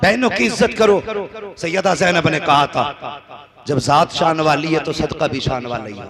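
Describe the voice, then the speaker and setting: Lively intonation carries a man's fairly high-pitched voice. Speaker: Islamic preacher giving a sermon. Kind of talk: Islamic sermon (bayan) delivered to a live audience. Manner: emotional, emphatic, rhetorical, addressing crowd.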